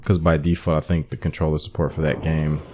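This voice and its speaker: A man's voice: rumbling low, little pitch movement, fairly quick, dark tone, faint music behind. A man giving casual, off-the-cuff playthrough commentary as the host of a gaming channel.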